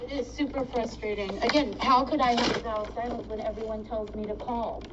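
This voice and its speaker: A woman's voice: fairly high pitch, steady tone, a little fast. A woman filing her own case at a courthouse clerk's counter, complaining in an agitated, indignant rush. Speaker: self-represented litigant filing a case. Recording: echoey, distant, muffled and noisy.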